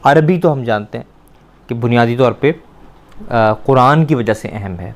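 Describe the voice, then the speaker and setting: A man teaching a language lesson, explaining step by step, repeating words slowly and quizzing a student. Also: medium pitch.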